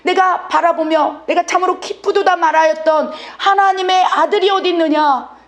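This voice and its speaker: A woman's voice: fairly even intonation, moderate pace. A woman preacher voicing God as a grieving father who cries out, pleading, for his lost son. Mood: wailing, pleading. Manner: wailing, pleading, high and loud.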